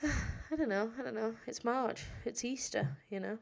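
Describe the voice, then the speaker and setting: A woman's voice: on the high side, normal speed, creaky. Nasal, tired northern English woman. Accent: northern English, Sheffield. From northern England. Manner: rambling, self-deprecating, frequent fillers. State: tired, hoarse. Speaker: English teacher. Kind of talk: casual live-stream chat.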